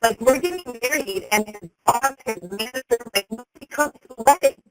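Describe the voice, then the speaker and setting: A woman's voice: a little high, a little fast, a bit bright, faint music behind, rough recording. Woman on a breaking-up call line. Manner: chatty, fillers and tag questions. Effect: call audio breaking up and dropping out. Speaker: guest. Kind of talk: casual personal storytelling. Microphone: Bluetooth headset on a call.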